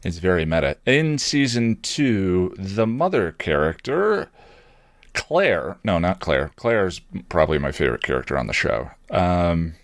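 A man's voice: low voice, big pitch swings, a little slow, no echo, studio quality. A man hosting a casual solo podcast, talking in a digressive, self-deprecating way and often correcting himself mid-thought. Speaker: podcast host.

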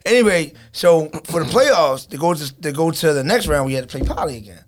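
A man, co-hosting a podcast in a casual chat, telling stories and teasing his friends. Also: on the high side. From Baltimore, USA. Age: 30s. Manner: animated storytelling, teasing, quick joking. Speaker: podcast co-host and DJ.

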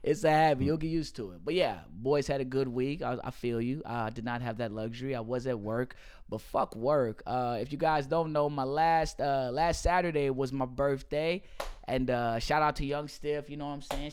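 Laid-back man with a smooth voice. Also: mid-range voice, normal speed. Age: 20s. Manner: loose, laughing, slangy banter. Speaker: podcast host. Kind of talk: casual chat. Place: Houston area. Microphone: studio mic.

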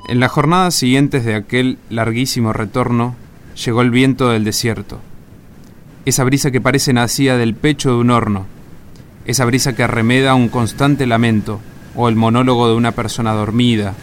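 An actor narrating a scripted radio drama of a desert exodus as a solemn storyteller, measured and poetic. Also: male voice, mid-range voice, fairly even intonation, slight background noise, lightly acted. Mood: lyrical. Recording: music under the voice.

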